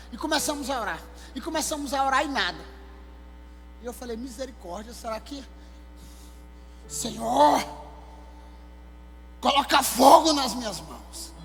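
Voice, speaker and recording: A male pastor with a Maranhão accent, preaching a sermon with animated, exclamatory storytelling. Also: very high-pitched. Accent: Maranhão, Brazil. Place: church sanctuary. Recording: hall reverb with soft music.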